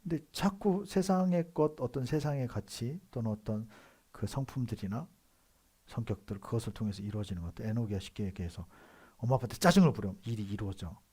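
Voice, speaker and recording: A male pastor with a Seoul accent preaching a sermon in a conversational way, moving between quiet asides and loud emphatic outbursts. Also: medium pitch, fairly quick, husky. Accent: Seoul Korean. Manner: conversational preaching with frequent affirming "yes" asides.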